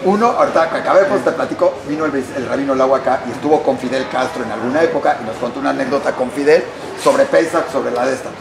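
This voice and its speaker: A man's voice: medium pitch, fast, gravelly, hardly any pauses. A middle-aged man, interviewing an author and chiming in often. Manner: interjects often with short agreements. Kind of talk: interview, casual questions. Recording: roomy, noisy background ambience.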